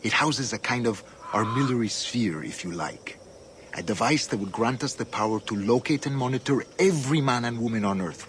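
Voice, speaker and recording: An actor playing a scheming older Templar governor, measured and solemn, often dropping to a hush. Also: male voice, fairly low pitch, slight background noise. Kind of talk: video game cutscene acting. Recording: game audio over music.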